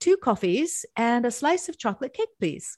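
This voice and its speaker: A woman speaks with an American accent and very wide pitch swings. The sound is dry and close with no echo, against a quiet background. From US, Southern California. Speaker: English teacher and podcast host. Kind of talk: scripted grammar lesson dialogue.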